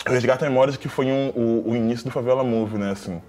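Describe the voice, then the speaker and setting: A man's voice: mid-range voice, quick pace, a crowd in the background. A man from Rio de Janeiro, an actor co-hosting a panel, talking in a loose, conversational way. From Rio de Janeiro, Brazil. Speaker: actor and co-host. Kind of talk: casual panel talk.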